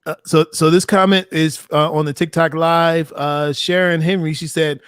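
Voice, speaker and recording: A man's voice: fairly high pitch, normal speed, clear, resonant tone, dry recording, clean studio sound. Laid-back man hosting a chat. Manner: relaxed, chatty, reads viewer comments. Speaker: host. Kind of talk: casual panel discussion.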